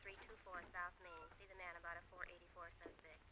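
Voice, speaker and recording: An actor playing a male police radio dispatcher in a 1950s noir film, calling out codes and addresses in a flat, clipped way over a police radio. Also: sits high, fast talker. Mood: monotone. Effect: police radio broadcast. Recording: loud hiss on an old police radio.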